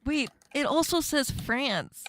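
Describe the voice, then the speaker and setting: A woman's voice: high-pitched, slow, a little hiss or hum. A woman with an Asian American accent, hosting a casual chat with guests and laughing often. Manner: giggly, laughs often, lively and playful. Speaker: streamer host.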